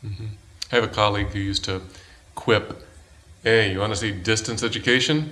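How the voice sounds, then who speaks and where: Over noticeable background noise, a man with an American accent talks at a fairly quick pace and fairly low pitch, with ordinary pitch variation and long, frequent pauses. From US South. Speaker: podcast co-host, online learning staff. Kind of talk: casual chat and interview. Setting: conference recording.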